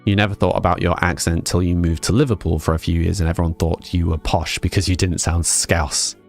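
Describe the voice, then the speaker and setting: A young streamer from England, with family in Scotland, speaks fairly quickly in a low, creaky voice while soft music plays underneath. He reads viewer messages out and replies in a laid-back, rambling style, with an accent mixing northern and southern English sounds.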